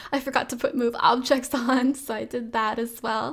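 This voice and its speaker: A woman speaks in a plain, everyday voice with an American accent. Her pitch is fairly high and her pace fairly slow. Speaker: English teacher. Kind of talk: gaming commentary with English lessons. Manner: upbeat.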